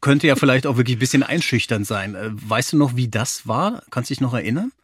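A man hosts a casual interview. His voice has an average male pitch. The sound is dry, with hardly any room to it. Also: expressive, fast, husky, dry recording. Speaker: podcast host.

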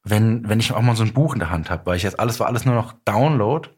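A man's voice: lowish voice, lively intonation, fast talker, slightly rough. Chatty man telling anecdotes. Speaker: guest author of audio dramas and a novel. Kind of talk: casual podcast interview chat.

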